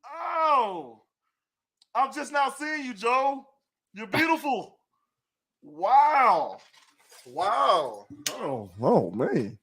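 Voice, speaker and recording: A man hosting a casual interview over a call, playful and quick to laugh. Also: very high voice, very animated, a bit bright, husky. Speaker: podcast host.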